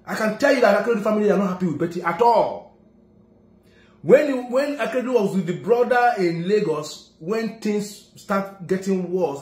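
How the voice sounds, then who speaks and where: A middle-aged man with a Nigerian accent giving emphatic political commentary, dropping to low solemn murmurs and rising to loud declarations. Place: indoor office room. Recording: echoey room.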